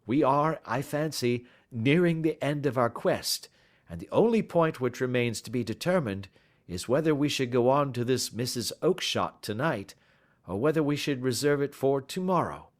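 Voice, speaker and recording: A man voicing a calm, shrewd gentleman detective who speaks blandly and with assurance in a storybook reading. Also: mid-range voice, normal speed, pitched above the performer's own voice, lightly acted. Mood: musing. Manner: bland, smooth and self-assured.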